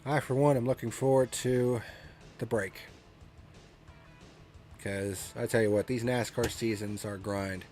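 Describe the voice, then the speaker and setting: A man's voice: medium pitch, fairly even intonation, unhurried, long pauses, darkish tone, soft background music. A man hosting a racing review show, talking casually with a blunt, profane, ranting manner, and sounding congested from a cold.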